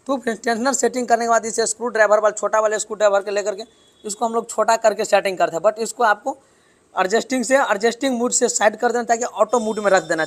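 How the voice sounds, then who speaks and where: A man, a motorbike mechanic explaining a repair step by step in a workshop tutorial. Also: sits high. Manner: explains step by step, keeps pointing things out.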